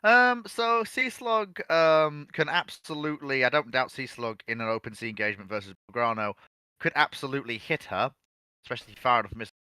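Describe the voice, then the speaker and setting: A man with a very bright, forceful voice delivers informal expert analysis. He is emphatic, restating points to drive them home, and is recorded close and dry. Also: mid-range voice, expressive, brisk, clean tone, no echo. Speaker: panel guest.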